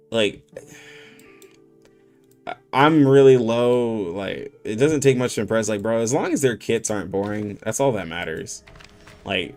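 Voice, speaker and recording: A man's voice: medium pitch, gravelly, darkish tone. A man streaming games, chatting casually with heavy slang and many "like" fillers, laughing often. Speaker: gaming streamer. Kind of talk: casual livestream chat.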